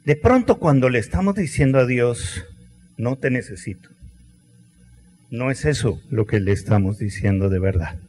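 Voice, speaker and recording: A middle-aged man preaching a sermon, telling stories with acted quotes and dramatic pauses. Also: medium pitch, expressive, a little mellow, soft background music. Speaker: pastor. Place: large church hall. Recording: long church hall reverb.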